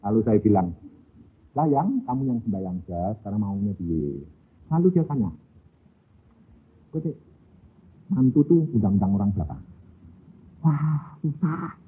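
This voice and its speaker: A middle-aged pastor with a husky, rather high voice preaches a sermon like a folksy storyteller, acting out family dialogue. The audio is lo-fi and phone-like.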